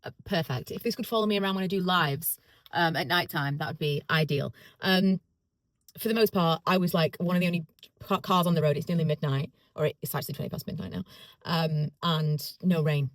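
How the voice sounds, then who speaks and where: A woman's voice: low-pitched, a little fast. A woman vlogging casually, rambling in a self-deprecating way and repeating phrases for emphasis. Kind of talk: casual chatty vlog to camera.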